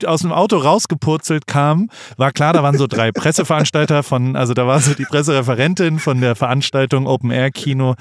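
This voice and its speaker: A man hosting a podcast, talking in a relaxed, colloquial way full of slang and fillers. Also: medium pitch, quick pace, few pauses, no room sound, clean studio sound. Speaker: podcast host. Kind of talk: casual chat.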